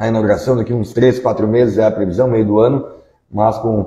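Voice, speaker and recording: Very fast speech with audible room echo. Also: man. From southern Brazil. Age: 30s. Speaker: acting mayor. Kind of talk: interview. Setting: city hall. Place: office. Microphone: lapel.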